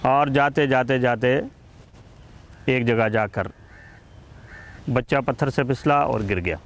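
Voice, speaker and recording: Speaking in a mid-range voice, a man tells a moral story and then explains its lesson in a measured, explanatory way, addressing his listeners as friends.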